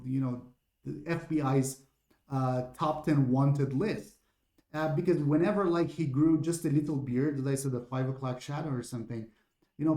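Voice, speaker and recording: Male lecturer with an Iranian accent, informal webinar, dark mellow tone, hesitant with fillers, roomy echo. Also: fairly high pitch. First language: Persian. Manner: thinking aloud with many fillers and restarts. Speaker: literature lecturer. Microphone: computer mic on a video call.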